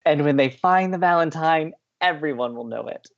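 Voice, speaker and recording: A man playing an excitable, idealistic young campus radio co-host in an audio drama, with a playful, opinionated way of bantering. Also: a little high, moderate pace, dull audio, lightly acted. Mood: eager, teasing.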